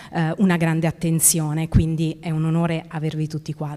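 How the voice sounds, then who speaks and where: A fairly low-pitched woman's voice with a Milanese accent and monotone, flat intonation. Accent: Milanese accent, noticeable. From Milan, northern Italy. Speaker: history of science professor; conference speaker. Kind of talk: conference welcome speech. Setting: conference hall with audience. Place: classroom. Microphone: handheld.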